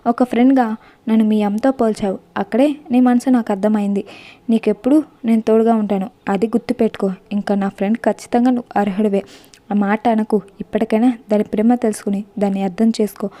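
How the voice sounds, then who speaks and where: A woman's voice: a little high, steady tone, brisk, mellow, dry recording, close to an everyday voice. Devoted young woman, as a female narrator voices her. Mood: consoling. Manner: earnest, firm and reproachful.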